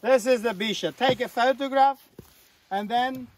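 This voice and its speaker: An older man guiding a walk outdoors, explaining plants and sights in halting, playful English. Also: extremely high pitch. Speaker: tour guide. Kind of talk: guided walk commentary. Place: outdoors on a mountain path.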